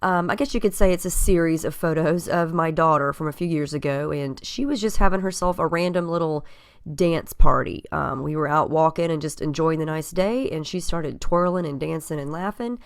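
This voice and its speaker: A woman with a cold-scratchy voice, giving a relaxed, chatty voice-over of her craft process with frequent ums. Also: low-pitched, normal speed, smooth. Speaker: scrapbook crafter. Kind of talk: casual voice-over narrating a craft process video.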